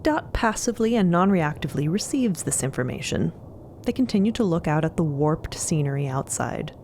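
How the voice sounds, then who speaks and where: A woman narrating scripted audio fiction in a deliberate, descriptive, dramatic style. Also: sits low, sing-song, darkish tone, slight background noise.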